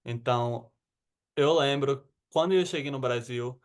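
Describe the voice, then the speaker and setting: A man's voice: medium pitch, unhurried. An American man who speaks learned Portuguese with a Rio accent, chatting casually and a bit rambly as an interview guest. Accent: American, with Rio de Janeiro Portuguese. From United States. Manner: relaxed, rambling with fillers.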